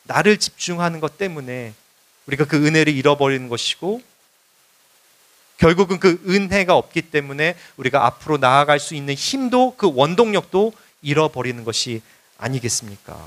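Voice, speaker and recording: A man preaching a Sunday sermon as a visiting missionary, telling his story in a conversational way and rising to loud exhortation. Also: expressive, moderate pace. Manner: builds to loud, high-pitched exhortation in the close. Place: church sanctuary.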